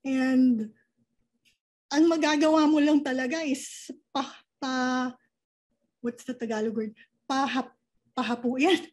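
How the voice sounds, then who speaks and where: A woman speaking as an early childhood education expert, calmly explaining with rhetorical questions and mixing Tagalog and English. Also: sits high, slow pace, long pauses, low-quality recording. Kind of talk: explanatory interview talk.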